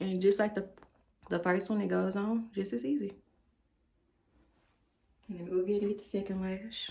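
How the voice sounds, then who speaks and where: At a moderate pace, a woman speaks in a somewhat breathy, dark, mellow tone with an American accent. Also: medium pitch for a woman, ordinary pitch variation. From Arkansas, USA. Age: 20s. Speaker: beauty tutorial creator. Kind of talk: casual beauty tutorial to camera. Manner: casual, chatty. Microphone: phone near.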